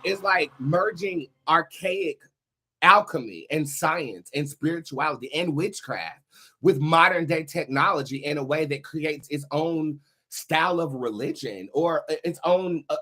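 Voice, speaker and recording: A man's voice: on the high side, pushed and bright, husky. A man hosting a casual livestream for his followers, chatting in an emphatic, slangy, sassy way. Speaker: tarot reader and online show host.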